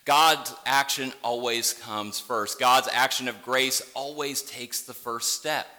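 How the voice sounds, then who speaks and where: A middle-aged man with an Upper Midwest accent that has picked up a Southern tinge delivers a sermon in an easy, conversational way. His tone is bright and forward. The sanctuary carries a long, lingering reverb. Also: mid-range voice, steady tone, takes it slowly. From Michigan, Upper Midwest. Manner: gentle, conversational preaching. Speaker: pastor. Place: church sanctuary.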